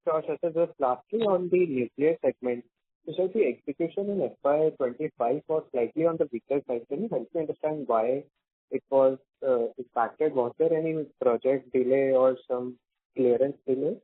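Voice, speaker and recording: A man's voice: mid-range voice, normal speed, dry recording. A man with an Indian accent, politely asking formal questions as an investment analyst on a conference call over a phone line. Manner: polite, deferential. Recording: dry, narrow phone line.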